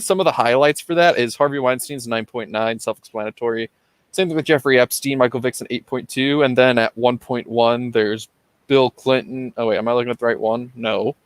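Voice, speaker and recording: A man hosting a casual comedy podcast, trading jokes and laughing often. His voice sits at a middle pitch. The sound is dry and close, with no room around it. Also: no echo. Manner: joking, laughs often, deadpan list reading. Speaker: podcast host.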